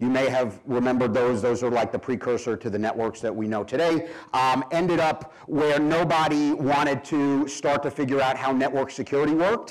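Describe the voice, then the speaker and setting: A fairly quick pace with ordinary pitch variation. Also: man. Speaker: conference speaker. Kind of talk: conference talk. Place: hall.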